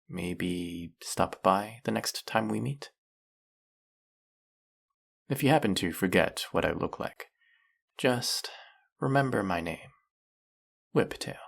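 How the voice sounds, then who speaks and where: Snake villain for romantic audio drama, male actor: deep, gravelly fry, soft-spoken, gentle, lonely, courteously flirtatious. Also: heavily acted. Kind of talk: intimate audio roleplay acting, addressing the listener.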